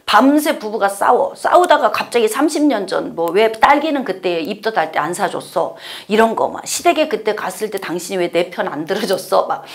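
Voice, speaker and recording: A woman's voice: mid-range voice, fairly quick, hardly any pauses. A woman pastor giving a Bible study sermon, acting out everyday scenes in quoted voices as she teaches. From South Korea. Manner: lively, acts out little scenes in quoted voices.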